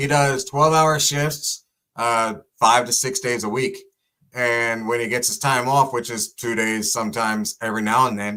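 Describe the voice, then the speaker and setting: A man with an American accent speaks at a moderate pace in a bright, sharp tone. His pitch sits at a medium level and shows ordinary variation. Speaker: podcast guest. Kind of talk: casual chat.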